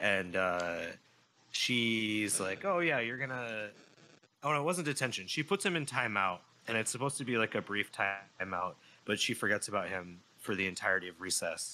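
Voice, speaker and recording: The speaker has lively intonation and a bright, sharp tone. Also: man, moderate pace. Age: 30s. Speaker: animation writer and cartoon voice actor; cartoon voice actor. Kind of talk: casual interview chat. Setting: podcast recording. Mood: relaxed, amused. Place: home room. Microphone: earbuds.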